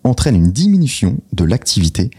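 A man co-hosting a podcast in casual chat, teasing with deadpan self-mockery and reading out notes. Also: lowish voice, a little fast, husky. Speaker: podcast co-host.

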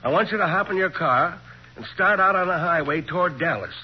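A genial Texas lawman in forties radio crime drama. His is folksy and colloquial, his voice rather high. The sound is dull with a faint hum. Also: animated, a little fast. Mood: folksy, brisk. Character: genial small-town Texas sheriff, folksy man. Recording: muffled, hissy 1940s radio recording.

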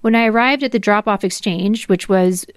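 A woman hosts a podcast, reading formal legal material aloud. Her pitch is average for a woman, and she drops in brief asides. The sound is dry and free of room echo. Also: moderate pace, clear, resonant tone. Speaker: podcast host. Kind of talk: dramatic reading of legal documents.

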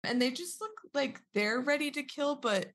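A woman playing a tabletop role-playing game, teasing and making quick quips. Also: sits high, lively intonation, a bit bright. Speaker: player. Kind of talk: casual tabletop play.

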